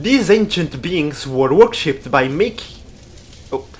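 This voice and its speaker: With a Portuguese accent, a man talks at a fairly slow pace using very wide pitch swings over noticeable background noise. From Portugal. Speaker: gaming youtuber. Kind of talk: gameplay commentary with reading aloud. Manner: halting, stumbling over words.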